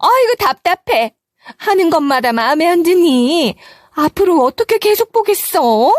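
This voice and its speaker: A woman narrator voicing a nagging older mother-in-law who scolds and blames in a shrill, high voice. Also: very animated, normal speed, no room sound, studio quality. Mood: scolding.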